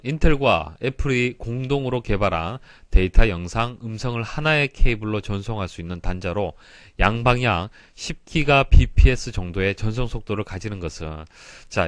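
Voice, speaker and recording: Male instructor, fairly deep voice, explanatory lecture delivery with repeated key points, dry room-free sound. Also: no room sound. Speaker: exam-prep lecturer. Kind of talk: instructional lecture working through past exam questions.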